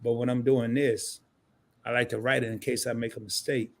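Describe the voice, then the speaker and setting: A man's voice: medium pitch, flat delivery, moderate pace. A man co-hosting a casual live stream, joking around, laughing often and reading viewer comments aloud. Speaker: co-host of a credit live stream.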